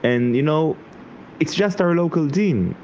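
A man's voice: a little high, animated, unhurried, a little mellow. Muffled man in his forties. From Israel, Haifa. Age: 40s. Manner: conversational, hesitant, filler-heavy. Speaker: football fan guest. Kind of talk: casual personal talk in English. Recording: muffled, lo-fi, clearly noisy ambient sound.

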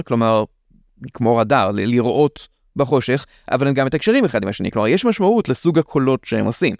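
In studio-quality sound with no room echo, an Israeli-accented man hosts a science explainer show. His mid-range voice is a little mellow as he explains things in a chatty way full of playful questions and asides.

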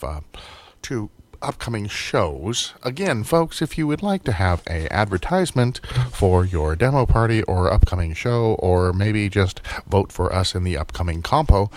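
A man hosting a casual radio show, rambling with dry jokes while losing his voice. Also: fairly low pitch. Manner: rambling, dry joking, many hesitations. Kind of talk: casual chat.

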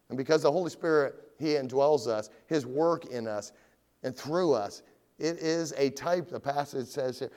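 Male pastor, middle-aged, slightly high and very animated, conversational sermon with constant direct questions to the room. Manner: asks the congregation direct questions. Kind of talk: evening sermon.

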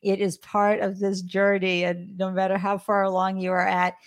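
A woman's voice: medium pitch, completely flat delivery, moderate pace. A woman with a Boston accent hosting an interview, upbeat and encouraging, often speaking straight to the listeners. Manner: encouraging, addresses listeners as folks. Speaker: podcast host.

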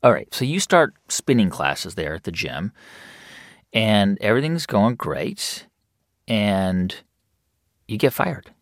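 A man's voice: on the low side, very animated, slow pace, long pauses, no room sound, studio quality. A man hosting an interview, recapping the guest's story and asking curious follow-up questions. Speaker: interview host. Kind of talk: conversational interview.

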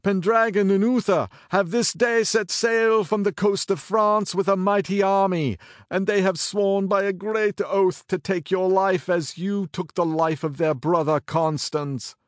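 A man voicing a frantic, breathless royal messenger who shouts his warning to the king. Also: high-pitched, steady tone, a little slow, no echo, studio quality, pitched above the performer's own voice. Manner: shouting urgently.

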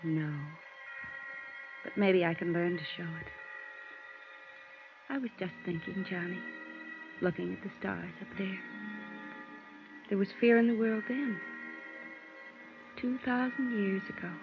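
An actress as a soft-spoken shaken young woman. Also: medium pitch, fairly even intonation, a little slow, pauses often, close to an everyday voice. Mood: wistful. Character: young woman Kathy, shaken but reflective. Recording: dull 1950s radio transcription with music.

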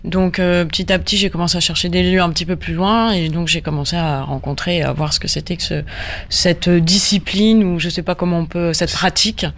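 A woman from Normandy answers questions as a guest on a radio interview. She talks in a halting way, full of fillers and restarts, as she feels her way through each thought. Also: on the low side, fairly even intonation. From Normandy, France. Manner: hesitant, many fillers and restarts. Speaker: guest photographer.

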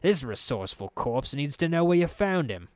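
A man's voice: fairly high pitch, sing-song, moderate pace, clear, resonant tone, dry recording, voice pushed up. A sly underworld boss acted out by a man talks with silky, mock-courteous menace. It is theatrical fantasy storytelling, recorded close and dry.

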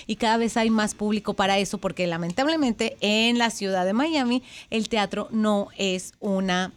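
A woman's voice: mid-range voice, moderate pace. A woman hosting a casual interview, playful and joking. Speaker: interview host.

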